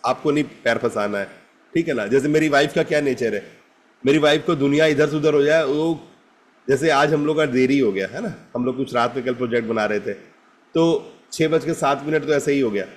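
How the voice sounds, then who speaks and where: A man's voice: medium pitch, a little fast. A middle-aged man teaching a live group self-help session, talking directly to participants by name and often checking they follow along. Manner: direct, addresses participants by name, repeats "ठीक है ना?".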